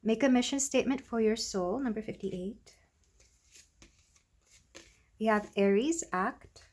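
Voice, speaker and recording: A woman with a congested voice, recovering from illness, giving a soft, rambling tarot reading to her viewers. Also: a little high, a little slow. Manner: soft, rambling, with many fillers. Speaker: tarot reader. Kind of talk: casual tarot reading to camera.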